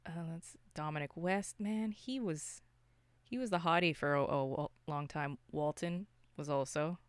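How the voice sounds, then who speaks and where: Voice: medium pitch, unhurried, smooth, dry recording. A podcast co-host from Canada chatting casually about movies in an opinionated, slangy way.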